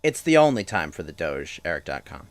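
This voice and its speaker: Low-voiced young guy streaming, all over the place pitch-wise, rambly, dead dry mic. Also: big pitch swings, fairly quick, no room sound. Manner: rambling, many restarts, talks to chat. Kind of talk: casual live-stream chat.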